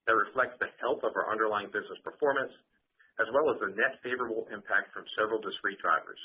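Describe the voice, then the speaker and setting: A very husky, rough-edged man speaks over a narrow phone line. He reads prepared financial remarks formally and steadily, like an executive presenting to investors. His voice sits on the low side. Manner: formal, measured business delivery. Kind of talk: scripted earnings call presentation, read aloud. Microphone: conference call line.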